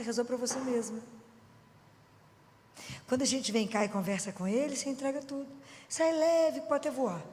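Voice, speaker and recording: A woman's voice: sits high, a little mellow, long reverb tail. A woman with a Minas Gerais accent preaching informally to an audience, chatty and full of rhetorical questions. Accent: Minas Gerais Portuguese. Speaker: Christian speaker.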